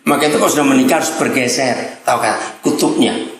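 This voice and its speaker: A man preaching a sermon, blunt and animated, firing rhetorical questions at his listeners. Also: medium pitch, fast. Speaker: pastor. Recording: very echoey hall.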